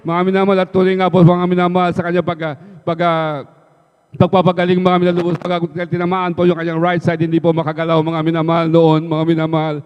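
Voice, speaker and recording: Male church testimony, Filipino accent, rapid delivery, flat level pitch, long reverb of a church hall, dull live stream sound. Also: clear, resonant tone. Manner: repeats "mga minamahal" after nearly every phrase. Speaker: church member giving testimony.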